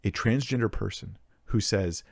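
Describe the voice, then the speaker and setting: A man's voice: fairly low pitch, moderate pace, vocal fry, a little mellow, no echo. A young man hosting a Bible question show, answering a listener earnestly and emphatically into a close microphone, thinking aloud with restarts. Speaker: Bible Q&A host.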